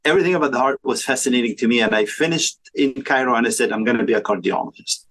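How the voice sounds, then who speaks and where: A man's voice: medium pitch, racing, a bit bright. A man in his fifties from Egypt, a pathologist talking through his career in an interview, thoughtful and full of fillers and restarts. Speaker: podcast guest, pathologist. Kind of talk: conversational interview.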